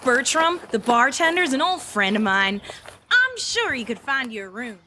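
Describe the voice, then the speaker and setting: An eager young huntress in a fantasy audio drama. Her voice is high and very animated. She is cheeky, informal and folksy. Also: normal speed, noisy background. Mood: friendly, chatty.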